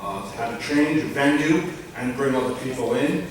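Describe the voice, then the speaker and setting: An older man from Long Island, speaking bluntly and loudly to a town board during public comment. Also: medium pitch, normal speed, slight background noise. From Long Island, New York. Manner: blunt, complaining, loud. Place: large echoey public meeting room. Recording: echoey room audio from far off.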